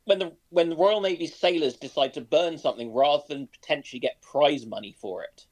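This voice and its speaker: A man's voice: fairly high pitch, brisk. A man chatting casually as a panellist on a live history discussion.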